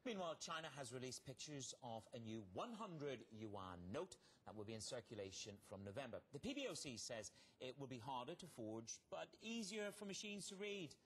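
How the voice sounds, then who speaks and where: A man's voice: medium pitch, very animated, normal speed, hardly any pauses, fairly bright tone, a little hiss or hum. A man presenting broadcast business news as an anchor, reading stories and putting questions.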